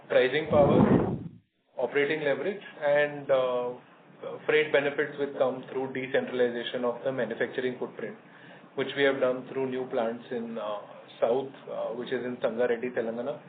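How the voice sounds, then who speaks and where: A man with an Indian accent answering analysts on an earnings call as a company executive, in a measured, hesitant manner. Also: mid-range voice, fairly even intonation. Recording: noisy narrowband phone conference line.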